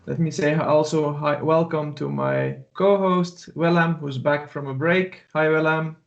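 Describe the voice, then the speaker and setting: Gravelly host on dull lo-fi call audio. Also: male voice, on the high side, steady tone. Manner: friendly, slightly halting. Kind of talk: introducing a speaker.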